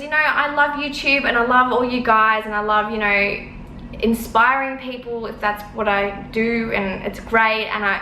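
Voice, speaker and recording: Bright-voiced chatty young woman, echoey room. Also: on the high side. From Australia. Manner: rambling and chatty, with many fillers and apologies. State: sore eyes from smoke. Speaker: vlogger. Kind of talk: casual storytelling to camera. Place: lounge room at home. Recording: echoey room, faint background noise.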